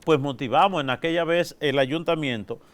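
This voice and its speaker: A Catholic priest with a Dominican accent, preaching in a folksy, colloquial way that keeps turning to the listeners with quick asides. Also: male voice, a little high. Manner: lively, folksy, peppers speech with "¿verdad?" and "oiga".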